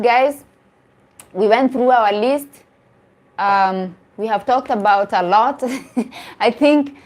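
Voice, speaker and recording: A woman's voice: medium pitch, a little mellow. This is a woman, speaking as a dating coach on a casual live stream. She talks earnestly to her viewers, reacts to their comments and often restarts or repeats a phrase to stress her point. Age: 40s.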